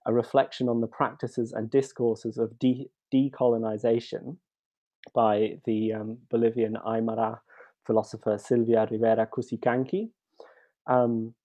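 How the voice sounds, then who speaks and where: A man with a cold speaks in a low, flat and mellow voice, sniffling now and then. He gives a hesitant academic talk over a laptop video call from a room at home, full of fillers and restarts. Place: home room at a wall hanging.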